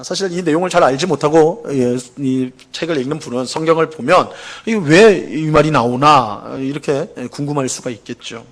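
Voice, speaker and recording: A man preaching a Sunday sermon as pastor, asking the congregation questions and acting out the quoted lines. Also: a little high. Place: church sanctuary.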